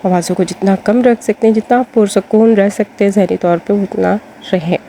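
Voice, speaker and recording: A woman's voice: medium pitch, steady tone, dark tone, a little hiss or hum. A woman with a Pakistani Urdu accent giving casual advice to women, chatty and full of fillers, speaking to her viewers as sisters. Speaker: lifestyle advice host.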